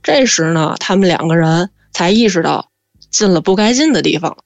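A woman telling a spooky family story in a lively, chatty way, drawing out her fillers. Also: lowish voice, moderate pace, gravelly, dry recording. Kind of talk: casual spoken storytelling.

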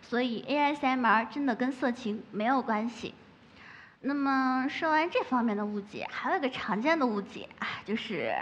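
A woman who makes ASMR, giving a lively public talk from a stage with playful asides. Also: on the high side. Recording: echoey hall, muffled, faint noise.

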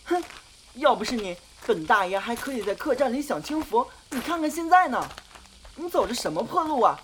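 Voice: medium pitch, big pitch swings, a little fast, a little hiss or hum, natural voice. A performer playing a haughty, grumpy black dog demon, arrogant and scornful, in an audio drama. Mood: scornful, grumbling.

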